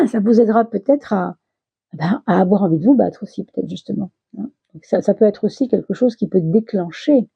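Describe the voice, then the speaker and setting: A woman's voice: medium pitch, lively intonation, normal speed, vocal fry, breathy edge, no room sound, lo-fi sound. A woman giving a casual monthly tarot reading, hesitant with many fillers and restarts, her voice getting worn and throaty. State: losing her voice, clears throat. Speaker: tarot reader.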